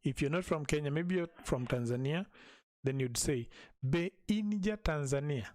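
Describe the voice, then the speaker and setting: A man teaching a language in a live stream, patiently repeating each phrase slowly for learners. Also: fairly high pitch, expressive, darkish tone, no echo, studio quality.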